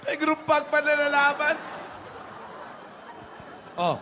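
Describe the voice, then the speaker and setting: A man's voice: extremely high pitch, lively intonation, slow pace, sharp tone. A man co-hosting a live variety show, tossing in playful quips.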